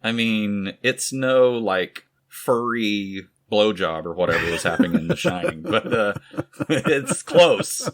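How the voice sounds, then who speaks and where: A low-pitched man with a lively, swooping delivery co-hosts a casual movie podcast. He jokes constantly, laughs a lot and wanders into rambling asides. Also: slow. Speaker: podcast co-host. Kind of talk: casual film-review chat.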